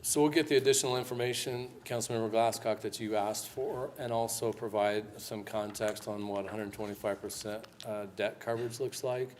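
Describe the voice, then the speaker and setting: A man presenting to a city council as staff, speaking in an earnest, measured way. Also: lowish voice, steady tone, slight background noise. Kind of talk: formal presentation.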